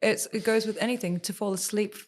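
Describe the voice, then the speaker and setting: A woman's voice: medium pitch, fairly even intonation, quick pace. A woman who is a singer and former TV presenter, speaking as a podcast guest and giving voice-care tips with emphatic repetition. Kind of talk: podcast interview.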